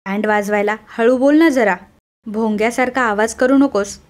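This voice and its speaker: A headstrong young woman who brushes everyone off with scornful, snapping comebacks, as a woman narrator reads her part. The voice sits fairly high, sharp and dismissive as a recap of a TV serial plays out. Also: moderate pace, natural voice. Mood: defiant. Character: defiant rebellious young woman sneaking out to a party.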